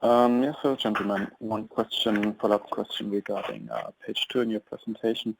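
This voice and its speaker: Creaky low-voiced man calling in. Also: steady tone, a little fast, dry recording, low-quality recording. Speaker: financial analyst, caller. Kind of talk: asking questions on a conference call.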